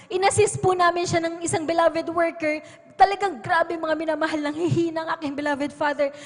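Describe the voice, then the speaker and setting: High-voiced Filipino woman giving church testimony. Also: steady tone, a little fast. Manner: earnest, repeats "mga minamahal" as address. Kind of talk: testimony at Sunday worship. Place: church hall. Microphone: pulpit microphone. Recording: church livestream with long hall reverb.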